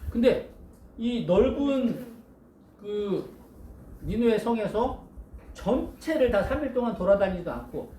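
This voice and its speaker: A male pastor giving a storytelling sermon to children, animated and asking his listeners questions. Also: high-pitched, roomy sound, slight background noise.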